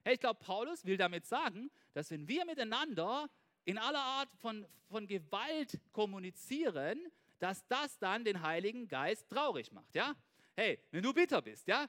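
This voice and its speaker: A man giving an informal, animated sermon, talking straight to his listeners and checking in with them constantly. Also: extremely high pitch, normal speed. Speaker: preacher.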